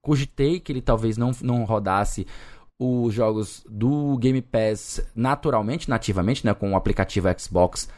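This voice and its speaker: A man's voice: fairly low pitch, moderate pace, darkish tone. A man with a Brazilian accent hosting a podcast in casual chat, thinking aloud and speculating as he goes. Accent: Brazilian Portuguese. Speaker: podcast host.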